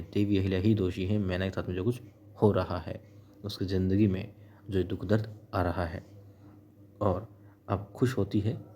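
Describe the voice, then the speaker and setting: A man recaps a TV serial episode in a chatty, storytelling style, addressing viewers directly as friends and repeating "yes indeed." His voice sits low and mellow, with slight background noise.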